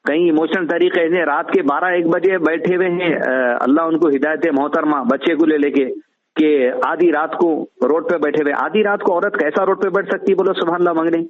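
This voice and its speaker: Hyderabadi guy on a phone call, thin tinny sound, bit high pitched, explaining his opinions point by point. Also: steady tone, a little fast. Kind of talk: opinionated casual phone talk. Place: on a phone line.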